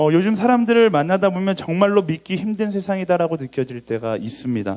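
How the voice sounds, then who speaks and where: With very wide pitch swings, a high-voiced man talks at a moderate pace. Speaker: preacher. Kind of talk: sermon. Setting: church service with congregation.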